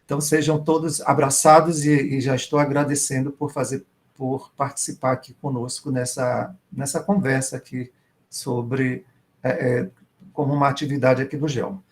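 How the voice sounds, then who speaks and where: A middle-aged man, a writer and professor speaking as a guest in an online literary conversation, reminiscing warmly and gratefully. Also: medium pitch, level tone, moderate pace. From Maranhão, Brazil.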